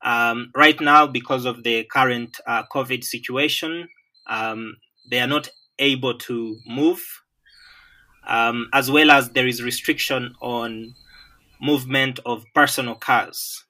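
Brief: Ugandan man, unhurried and measured, bright forward voice, lots of filler pauses. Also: mid-range voice, steady tone. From Western Uganda. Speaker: land management professional. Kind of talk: remote interview conversation.

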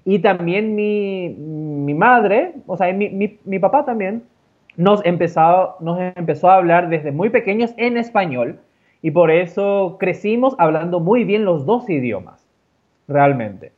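Man, Guarani speaker, high voice, loose and rambling with restarts, tinny phone-line sound. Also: a little slow. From Paraguay. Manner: relaxed, repetitive, many fillers and restarts. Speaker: interviewee. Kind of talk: casual interview answers. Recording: tinny phone-like call audio.

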